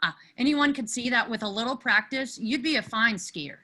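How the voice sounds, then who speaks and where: A woman's voice: on the high side, lively intonation, normal speed, bright, forceful tone. A woman playing an earnest, lovelorn teenage boy in a comic screenplay table read. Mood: indignant.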